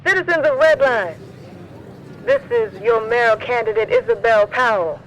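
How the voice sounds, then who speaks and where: A woman's voice: fairly high pitch, lively intonation, moderate pace, a little hiss or hum, rough recording. An actress playing a proud, defiant woman politician making a formal, declamatory announcement over an intercom in an audio drama. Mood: defiant, resolute. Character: defiant, proud woman mayoral candidate addressing citizens. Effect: intercom or radio speaker.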